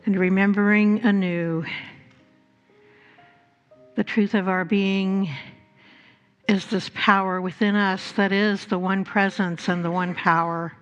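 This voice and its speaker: Female minister, very unhurried and measured, mid-range pitch, guiding a congregation through prayer. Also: flat delivery, clean tone, dull audio, soft background music. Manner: measured, with long pauses between phrases. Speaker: pastor. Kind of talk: church service talk and guided prayer. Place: church service before a congregation.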